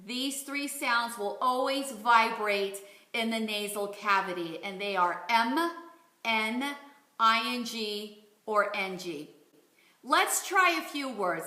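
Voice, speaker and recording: Woman speech coach going slow over practice words, bright voice, roomy echo. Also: fairly high pitch. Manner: demonstrates words slowly and clearly. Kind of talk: instructional video lesson.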